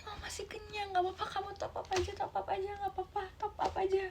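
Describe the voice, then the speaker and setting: A woman's voice: very high-pitched, monotone, fast talker, background noise, voice pushed up. Woman playing a weepy martyred mother. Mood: tearful guilt-trip. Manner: tearful, martyred, half-whispered pleading. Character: exhausted weepy mother guilt-tripping her child.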